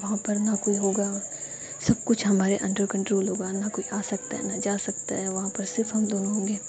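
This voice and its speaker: A woman's voice: mid-range voice, monotone, normal speed, warm tone, lightly acted. Woman voicing a playful teasing young woman.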